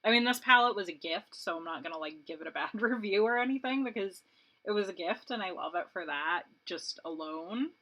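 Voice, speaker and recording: A woman's voice: mid-range voice, animated, a little fast, pushed and bright. A woman in her late twenties, a beauty vlogger chatting casually and rambling while she does her makeup, laughing often. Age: 20s.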